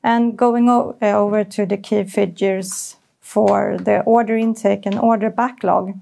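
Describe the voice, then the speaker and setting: Creaky, even-toned Swedish-accented woman. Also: mid-range voice, unhurried. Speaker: chief financial officer presenting figures. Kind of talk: corporate earnings presentation.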